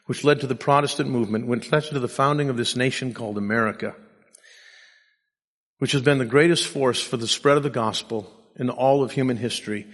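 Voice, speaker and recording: A man's voice: mid-range voice, a bit bright, big-room sound. A man preaching a sermon and telling personal stories with self-deprecating humor, saying he is sleep deprived. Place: church.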